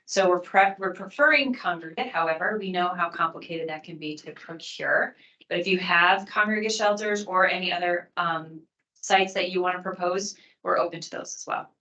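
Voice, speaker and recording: Woman, city official, low voice, plain-spoken briefing, echoey meeting room. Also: normal speed, pushed and bright, far from the mic.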